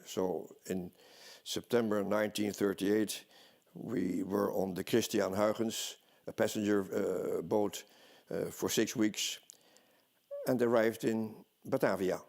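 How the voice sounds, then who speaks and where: An older man recalling his family's move, speaking haltingly. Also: on the low side, steady tone, creaky, darkish tone. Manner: halting with fillers. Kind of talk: interview recollection.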